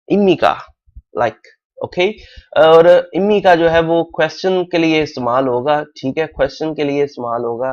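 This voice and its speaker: A man teaching Korean on a whiteboard, who repeats words slowly and keeps asking "thik hai". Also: fairly high pitch, a little mellow. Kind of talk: whiteboard lesson explained in Urdu/Hindi. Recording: dull lo-fi sound.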